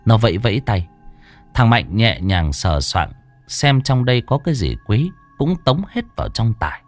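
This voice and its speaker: A man's voice: fairly low pitch, sing-song, normal speed. A man narrating a ghost story in a dramatic storytelling manner. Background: faint background music.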